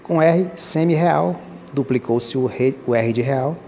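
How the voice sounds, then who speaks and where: A man's voice: mid-range voice, measured pace, creaky, dark tone, a little hiss or hum. A man explaining Portuguese grammar rules step by step as a teacher, patiently repeating key points and speaking directly to viewers. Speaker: teacher commenting on exam questions.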